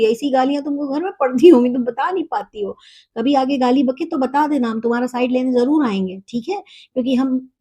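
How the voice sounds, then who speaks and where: Woman, reaction host, high voice, mellow tone, sarcastic scolding, drops english phrases. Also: husky.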